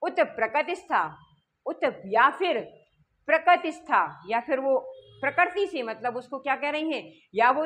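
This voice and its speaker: A woman teaching a lesson, reading lines slowly, then explaining them quickly and asking her students questions. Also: high-pitched, fairly bright tone. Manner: explains step by step, asks the class questions and answers them.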